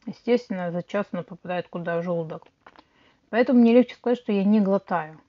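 A woman's voice: mid-range voice, fast talker, highs cut off. Woman chatting while chewing clay. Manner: chatty, addresses viewers directly. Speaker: livestream host. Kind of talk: casual livestream chat with viewers.

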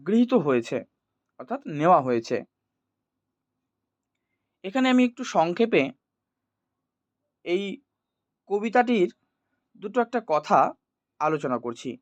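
A man teaching in an explanatory, didactic way, as if to school students, checking that they follow. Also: sits high. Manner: didactic, checks understanding with short questions. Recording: roomy echo, dull lo-fi sound.

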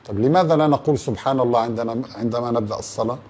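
Earnest husky-voiced male preacher. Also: mid-range voice, very fast, a little mellow. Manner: earnest, asks rhetorical questions, addresses the listener directly. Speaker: religious speaker. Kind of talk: religious talk to listeners.

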